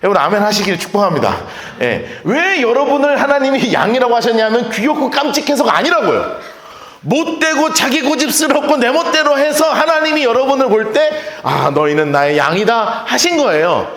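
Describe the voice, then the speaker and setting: Animated high-voiced male pastor. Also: brisk, echoey room. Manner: lively storytelling, often laughing. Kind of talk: sermon. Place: church sanctuary.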